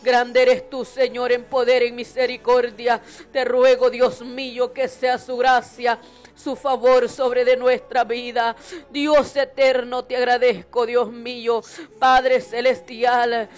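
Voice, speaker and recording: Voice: medium pitch, level tone, slow. A person praying fervently and spontaneously in a Christian style, pleading and repeatedly calling on God as they lead intercessory prayer. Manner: pleading, repetitive invocations of God. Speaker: worshipper leading intercessory prayer.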